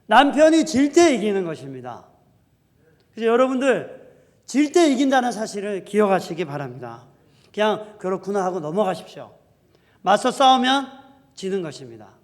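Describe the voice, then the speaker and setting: A man's voice: high-pitched, sing-song, normal speed. Emphatic male pastor in reverberant church. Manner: emphatic preaching, swings between loud declarations and soft asides. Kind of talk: sermon. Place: church sanctuary. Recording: long hall reverb.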